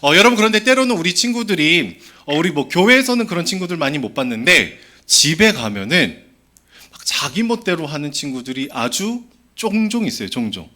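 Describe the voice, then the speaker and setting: A male pastor giving a children's sermon, lively and full of questions to the children. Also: on the high side, a little fast.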